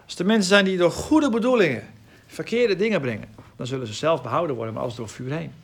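Man, Bible study teacher, emphatic and explanatory, gravelly voice pitched on the high side. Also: fast. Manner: emphatic, reads and explains scripture at length.

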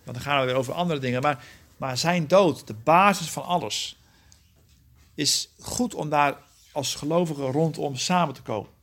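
A man's voice: fairly high pitch, moderate pace, a bit bright. Earnest man leading a Bible study. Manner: earnest, often asks the group questions; explains verse by verse, self-correcting. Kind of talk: interactive Bible teaching.

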